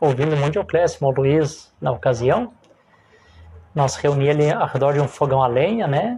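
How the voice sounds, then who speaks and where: At a moderate pace, a man with a fairly high, somewhat breathy voice speaks with lively intonation. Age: 40s. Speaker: pastor. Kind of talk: sermon.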